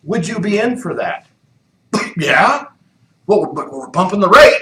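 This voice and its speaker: Slow, animated man coaching a room. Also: high voice. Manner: coaching with repeated questions. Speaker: real estate trainer. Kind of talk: training session talk. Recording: echoey room, mic far off.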